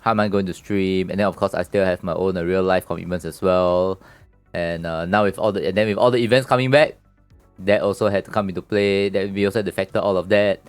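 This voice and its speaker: A man's voice: low-pitched, fairly even intonation, fast talker, smooth, dry recording. A man with a Singaporean accent hosting a casual stream chat, rambling and repeating his phrases. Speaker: stream host. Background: background music.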